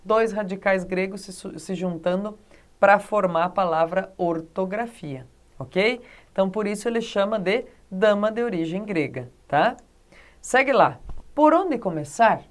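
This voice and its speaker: A woman's voice: mid-range voice, a little slow. A woman with a Brazilian accent teaching a video lesson in a chatty way, often checking in with her students. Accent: Brazilian Portuguese. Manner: chatty, keeps checking in with the class. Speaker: Portuguese teacher.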